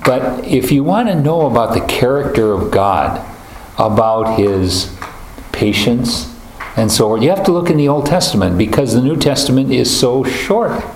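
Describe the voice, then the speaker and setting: A man leading a group Bible study, talking in a halting, thoughtful way with many fillers and restarts. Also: mid-range voice, very animated, darkish tone, a little hiss or hum. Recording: roomy echo, faint ambience.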